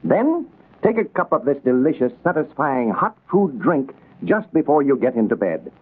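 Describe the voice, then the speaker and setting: A man reading a 1940s radio commercial in a soothing, persuasive tone, his slightly husky voice rising and falling with lively expression. The sound is thin and tinny, like an old radio transcription. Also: moderate pace. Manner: smooth, soothing sales pitch. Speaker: radio announcer.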